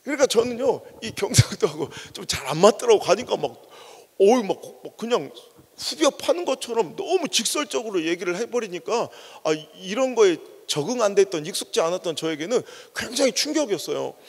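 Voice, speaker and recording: A husky-voiced male preacher with a Chungcheong accent delivers a sermon full of anecdotes. His pitch is high and very animated, and his voice rings with the long reverb of a large church. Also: a little fast. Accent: Chungcheong Korean. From Chungcheong, Korea. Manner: animated storytelling with acted-out dialogue. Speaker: pastor. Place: church sanctuary.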